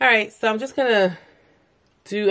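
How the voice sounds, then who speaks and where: A woman with an American accent, over light background noise. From New York City. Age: 40s. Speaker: beauty vlogger. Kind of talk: makeup tutorial. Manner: casual, rambling with fillers. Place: home room.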